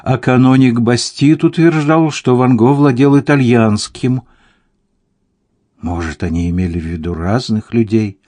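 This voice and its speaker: A man narrating an audiobook in an even, measured reading. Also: mid-range voice, dry recording. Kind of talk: scripted narration.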